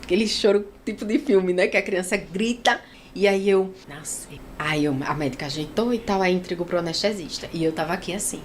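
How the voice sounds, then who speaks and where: A woman from Brazil telling an emotional personal testimony as an interview guest, acting out what others said in lively voices. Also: medium pitch, a little fast, slight background noise. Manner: animated storytelling, acting out other people's lines.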